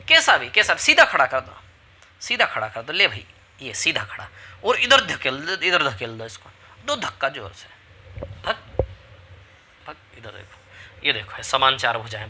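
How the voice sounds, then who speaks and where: A man's voice: high voice, bright, forceful tone. A man teaching a maths lesson with a Hindi accent, repeating key phrases and checking that students follow. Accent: Indian Hindi. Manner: repetitive, emphatic, asks for understanding. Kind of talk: classroom lesson.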